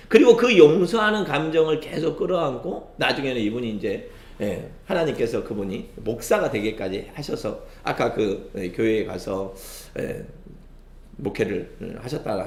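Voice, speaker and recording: A man's voice: mid-range voice, gravelly, a little mellow. A male pastor preaching a sermon, telling a story with many affirming interjections. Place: church sanctuary. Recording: echoey church sanctuary.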